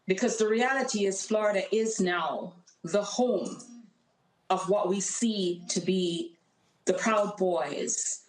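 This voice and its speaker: A woman's voice: medium pitch, reverberant, rough recording. A woman with a Jamaican accent, a political candidate speaking earnestly and emphatically as a guest on a remote call. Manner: earnest, emphatic campaign talk. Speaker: congressional candidate. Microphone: call audio.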